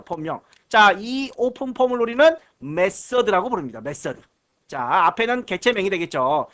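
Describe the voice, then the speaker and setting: A man's voice: high voice, fairly bright tone. A man from Korea teaching an exam-prep lecture. He asks himself rhetorical questions, answers them, and repeats key terms for emphasis. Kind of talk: recorded lecture walking through exam questions.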